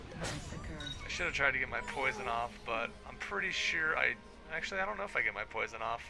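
Music plays in the background as a man talks at a fairly quick pace. His medium-pitched voice moves through very wide pitch swings. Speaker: gaming commentator. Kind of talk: gameplay commentary. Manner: casual, filler-heavy.

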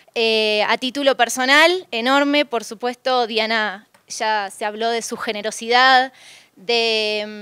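A woman speaks at a fairly slow pace in a bright, sharp tone with fairly even intonation. The background is quiet. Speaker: academic, colleague of honoree; panelist. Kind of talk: panel tribute. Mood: warm, appreciative. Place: meeting room. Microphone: podium.

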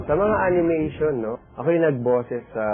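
The man has an ordinary speaking voice. He uses lively intonation at a moderate pace. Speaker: voice actor. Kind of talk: interview answer.

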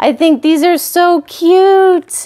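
Behind the woman's voice, the background stays quiet. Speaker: haul vlogger. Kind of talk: casual vlog chat. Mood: cheerful, enthusiastic. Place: home room. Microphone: lapel.

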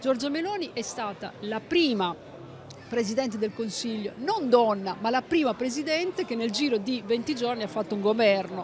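Lively intonation and a moderate pace come through in a dry sound with no echo, with light background noise behind it. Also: woman, fairly high pitch for a woman. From Apulia, southern Italy. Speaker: politician. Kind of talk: interview. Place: market. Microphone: handheld.

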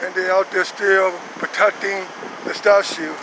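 A man speaks at a fairly slow pace. The sound is dry with no echo, with noticeable background noise. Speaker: street vlogger. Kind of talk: casual vlog commentary. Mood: earnest, opinionated. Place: street. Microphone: phone near.

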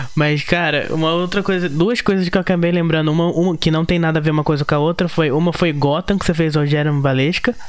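A man's fairly high voice at a very fast pace, hardly any pauses, fairly even intonation and very even loudness, over noticeable background noise. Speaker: podcast host. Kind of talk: casual interview chat. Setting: video call.

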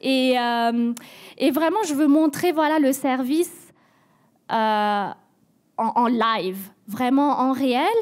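A woman speaks very slowly in a high voice, with lively intonation and very even loudness. Her long, frequent pauses fall against a quiet background. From France (Paris), Sri Lankan parents. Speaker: health services manager; presenter. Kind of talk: presentation. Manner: hesitant, many fillers. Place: hall.

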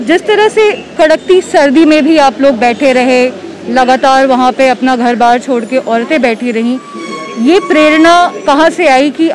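Clear music plays in the background as a woman speaks with lively intonation. Her voice is high in pitch and dry, with no echo. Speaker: news reporter. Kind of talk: news report introduction. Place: garden. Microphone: handheld.

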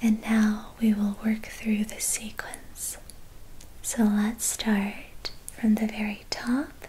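Soft-spoken and calm in tone, a woman talks at a very slow pace with a flat, monotone delivery. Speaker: wellness guide. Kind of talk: guided tapping tutorial. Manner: soft-spoken, calm, quiet voice. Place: home room.

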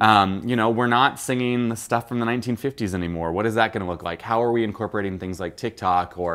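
Talking at a fairly quick pace with hardly any pauses, a man uses ordinary pitch variation. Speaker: guest. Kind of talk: interview answer. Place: kitchen. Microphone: lapel.

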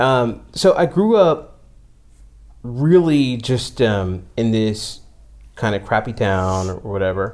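A man speaks with an American accent at a medium pitch, using lively intonation. He has an unremarkable speaking voice. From Pittsburgh, US. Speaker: entrepreneur and military veteran. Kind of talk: casual interview chat. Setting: in-person recording.

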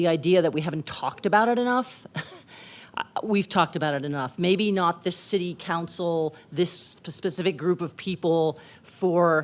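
An unremarkable speaking voice from a woman, fairly low in pitch, at a moderate pace with ordinary pitch variation. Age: 60s. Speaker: city council member. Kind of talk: council meeting remarks.

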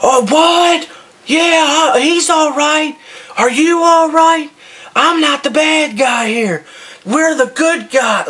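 Shouting in a high, put-on character voice, the speaker draws the words out at a very slow pace. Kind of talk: crude, casual. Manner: screaming, indignant.

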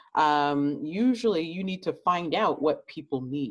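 A woman's fairly low voice with lively intonation against a quiet background. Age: 40s. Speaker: entrepreneur and business coach. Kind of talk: interview. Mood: calm advising. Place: home room. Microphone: video call.

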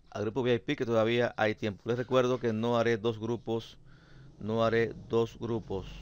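A man speaks at a fairly slow pace in a medium pitch with monotone, flat intonation. The recording is very clean, with a silent background. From Dominican Republic.

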